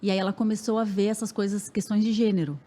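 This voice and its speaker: A woman in her forties hosts a podcast and talks in an animated, chatty way. Her voice sits at an ordinary middle pitch, and she often laughs and rushes ahead when a story excites her. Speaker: podcast host. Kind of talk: conversational interview storytelling.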